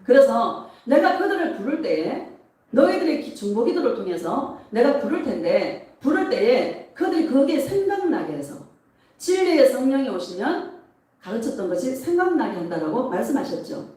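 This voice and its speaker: A woman pastor preaching a sermon in a church, emotional and animated, often laughing as she speaks. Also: sits high, normal speed. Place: church sanctuary. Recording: echoey church hall, mic at a distance.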